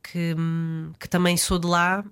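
Reflective young Portuguese woman, low voice. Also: little pitch movement, takes it slowly, fairly bright tone, clean tone. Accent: European Portuguese. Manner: reflective, hesitant, laughs often. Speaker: guest, actress. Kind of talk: casual interview chat.

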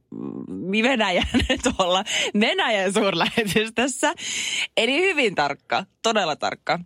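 A middle-aged woman co-hosting a morning radio show, telling stories in lively casual banter and laughing often. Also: fairly low pitch, no echo, clean studio sound.

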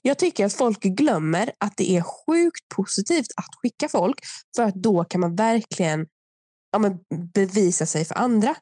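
A young woman chatting casually as a podcast host, talking through a reality show with animated asides. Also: medium pitch, no room sound, clean studio sound.

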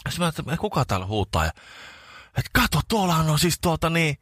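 A man's voice: on the high side, very animated, a bit bright, no echo, studio quality. A man in his thirties hosting a radio morning show, telling a self-mocking story in casual chat.

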